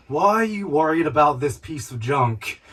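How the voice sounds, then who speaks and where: Scornful, scheming male game thief, played by a man, gruff and irritated, higher-pitched with lively swings. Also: slow pace, far from the mic. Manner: exasperated, sighing, scornful. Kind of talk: video game voice acting.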